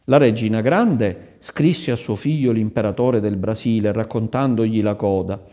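A man reading a fairy tale aloud as an expressive storyteller, in a long reverberant hall. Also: fairly low pitch, moderate pace.

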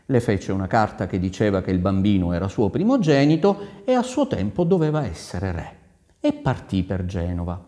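A man reading a folk tale aloud in an animated, expressive way with dramatic pauses. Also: fairly low pitch. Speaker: storyteller.

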